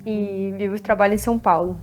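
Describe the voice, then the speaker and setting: A woman's voice: medium pitch, steady tone, fast talker. A woman with a Brazilian accent explaining her practice as a visual artist. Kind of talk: artist talking about own work. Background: music.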